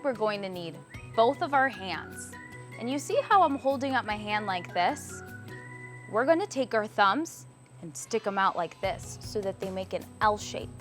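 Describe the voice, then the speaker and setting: A woman's voice: mid-range voice, a bit bright. A woman teaching children sign language, cheerful and encouraging as she gives step-by-step instructions. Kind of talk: children's lesson. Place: public access TV studio.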